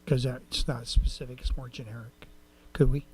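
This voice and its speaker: Man, middle pitch, folksy, rambling, council member, faint hum. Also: fairly even intonation, normal speed, a little mellow. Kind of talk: council meeting remarks. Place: council chamber.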